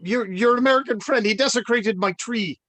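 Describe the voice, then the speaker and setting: A man's voice: very high voice, fairly quick, fairly bright tone, dry recording. A man playing a furious, distraught bearded villager in his forties in a screenplay table read. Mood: accusing.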